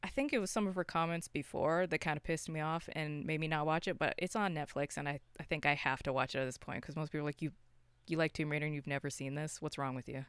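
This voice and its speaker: A podcast co-host from Canada with a clear, smooth voice, recorded close and dry. The talk is casual and slangy, with opinions given freely. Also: medium pitch, fast, fairly bright tone, dry recording. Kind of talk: casual chat about movies.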